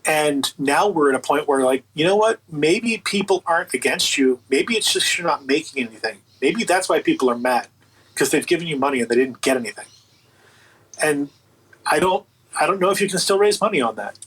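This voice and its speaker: A man's voice: on the high side, lively intonation, brisk, a bit bright, slightly rough, poor audio. A man speaking as an interview guest, chatting casually and giving his opinions in an emphatic, colloquial way. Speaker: interview guest, audio book producer.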